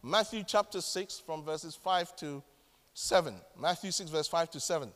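A man with a Ghanaian accent preaching a sermon in a dramatic, animated way. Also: a little high, normal speed, long reverb tail. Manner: dramatic, animated, mimics other pray-ers.

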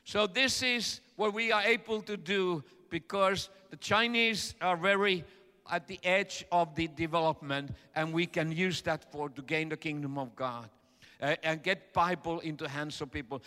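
A middle-aged man from Finland with a Finnish accent, preaching a sermon and interpreting in an earnest, halting way with many fillers. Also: fairly high pitch, bright, forceful tone. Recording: echoey hall.

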